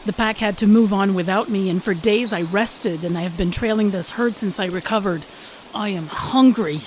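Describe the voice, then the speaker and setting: A woman's voice: mid-range voice, moderate pace, a little mellow, slight background noise, lightly acted, low-quality recording. A woman playing a hungry, injured lone she-wolf in an audio drama, wary but defiant, with terse, pleading delivery. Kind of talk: dramatic audio fiction acting.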